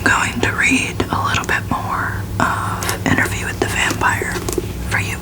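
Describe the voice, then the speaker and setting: A woman doing whispered ASMR reading in a breathy, slightly cracked voice, gentle and unhurried, a little short of breath while getting over a cold. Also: rough recording. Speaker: host of an ASMR reading channel.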